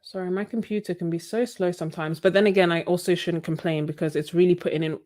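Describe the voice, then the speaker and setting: A woman's voice: lowish voice, fast talker. A woman hosting an art livestream, chatting casually about paint colors with many fillers. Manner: relaxed, chatty, many "like" fillers, laughs easily. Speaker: art channel host.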